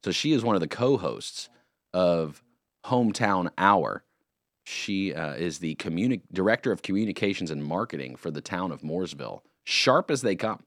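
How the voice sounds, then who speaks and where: A male morning radio host with a lowish voice that swings widely up and down as he jokes and rambles. The studio sound is close and dry, with no room around it. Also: moderate pace, dry recording. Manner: animated, jokey, rambling. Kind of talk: casual morning radio banter. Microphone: studio microphone.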